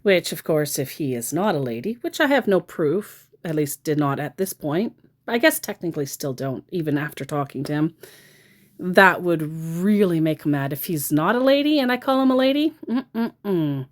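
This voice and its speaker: A woman's voice: low voice, expressive, moderate pace. A woman who baits scammers, narrating a casual vlog with a sarcastic, mocking manner. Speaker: scam baiter.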